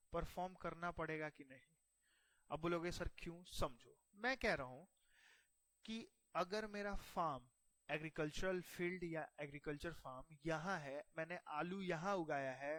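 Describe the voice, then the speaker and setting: High-voiced male history teacher, dry. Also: fairly bright tone, dry recording. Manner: explains with repeated rhetorical questions and checks. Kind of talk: exam-prep lecture.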